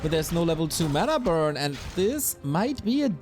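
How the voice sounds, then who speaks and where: A man casting an esports match play by play, his voice a little raspy, breaking into quick bursts of excitement at big plays. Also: fairly high pitch. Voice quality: slightly raspy. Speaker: esports caster. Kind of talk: play-by-play game commentary. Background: game music.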